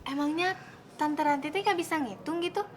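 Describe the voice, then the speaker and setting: Brief: actress doing a naive young girl, high and light, innocent questions, speech. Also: a little fast, background noise, close to an everyday voice. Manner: innocent literal-minded questions. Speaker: actress in sitcom.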